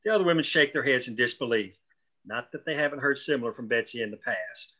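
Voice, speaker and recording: A man narrates the stage directions of a screenplay. His voice is bright and mid-pitched, reading scripted action at a table read. The recording is somewhat dull and lo-fi. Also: expressive, quick pace.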